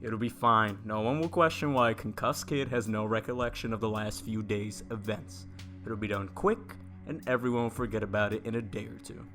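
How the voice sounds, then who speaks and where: Matter-of-fact male authority figure played by an actor for audio drama: low register, curt, assured, dismissive. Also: steady tone, brisk, fairly bright tone, faint music behind, lightly acted. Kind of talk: naturalistic audio drama podcast acting.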